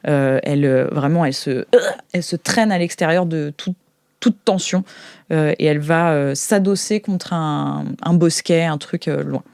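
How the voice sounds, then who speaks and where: A woman with a French accent improvising narration as game master of a tabletop role-playing game, thinking aloud in halting phrases. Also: low-pitched, gravelly, darkish tone, clear, resonant tone, no echo, clean studio sound. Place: studio.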